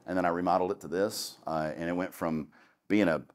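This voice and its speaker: A real estate investor tells a student audience how he got started in the business, speaking casually and candidly. His voice is low, smooth and fairly even, and he talks fast, often restarting and falling back on "long story short."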